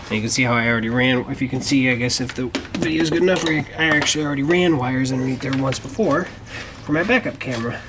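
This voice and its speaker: A man's voice: medium pitch, fast talker, few pauses. A man giving a casual, hands-on how-to in an informal, folksy way, talking as he works. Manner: informal, folksy, talks while working. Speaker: DIY car tutorial presenter. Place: garage, working around a vehicle. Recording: clearly noisy garage camera recording.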